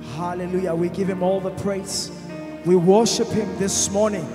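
Clear music plays behind a man who speaks at a fairly slow pace in a high pitch. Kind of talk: worship exhortation and prayer. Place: church. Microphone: handheld.

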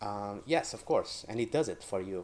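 In a Portuguese accent, a man speaks at a fairly slow pace. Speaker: game level designer. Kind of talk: tutorial. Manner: casual, rambling with many fillers.

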